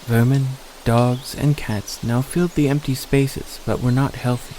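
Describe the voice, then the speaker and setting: A man's voice: medium pitch, steady tone, a little slow, dark tone, a little hiss or hum, low-quality recording. A man reading a scripted story as the narrator of an audio drama. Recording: faint outdoor nature ambience.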